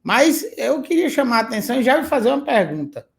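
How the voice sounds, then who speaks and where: A man's voice: very high-pitched, sing-song, fast, vocal fry. A male podcast host, speaking emphatically and indignantly, with hesitant fillers. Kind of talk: interview questions and commentary.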